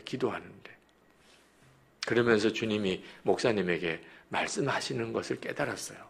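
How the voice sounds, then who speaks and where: A man's voice: mid-range voice, gravelly, a bit bright, breathy edge. A male pastor preaching at a dawn prayer meeting in a church. He tells stories vividly and speaks straight to the congregation. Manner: retells stories vividly, addresses the congregation directly. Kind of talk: sermon with storytelling.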